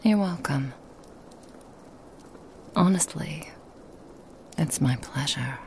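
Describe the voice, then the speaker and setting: A woman playing a lonely, hospitable woman in a remote forest cabin, speaking softly and coaxingly in a half-whisper to the listener. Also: deep voice, extremely slow, vocal fry, a little hiss or hum, exaggerated voice. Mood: gentle. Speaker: ASMR roleplay performer. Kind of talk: ASMR roleplay, whispered to the listener.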